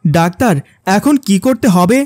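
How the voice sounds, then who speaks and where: A man's voice: high voice, lively intonation, a little slow, a little mellow, no room sound, studio quality. A man voicing a worried mother who turns stern and scolding toward her son.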